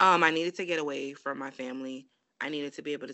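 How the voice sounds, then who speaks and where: With a New York accent, a woman talks fairly quickly at a very deep, low pitch. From New York, Brooklyn (Flatbush). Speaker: podcast co-host telling her life story. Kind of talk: casual interview.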